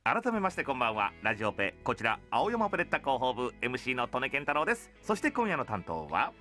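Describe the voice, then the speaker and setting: A man hosting a radio show from a studio in an upbeat, animated manner, chatting with guests. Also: medium pitch, fast, faint music behind. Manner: animated, frequently laughing and agreeing. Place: radio studio, seated at a table. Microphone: studio boom microphone, speaking through a face mask.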